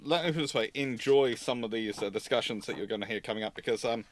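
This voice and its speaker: A man's voice: mid-range voice, quick pace, no echo. A man hosting a history livestream, giving casual expert commentary in an explanatory, digressive and emphatic way.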